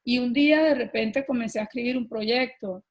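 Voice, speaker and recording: A middle-aged Colombian woman telling her own story as a podcast guest, earnest and animated, often pausing with filler words. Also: on the high side. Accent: Colombian Spanish. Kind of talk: personal storytelling in an interview.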